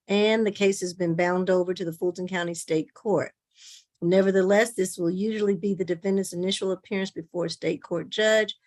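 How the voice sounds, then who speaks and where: A woman judge giving formal, measured procedural explanations to open a court hearing. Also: fairly low pitch. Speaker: judge presiding over a court calendar. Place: remote court hearing on video call.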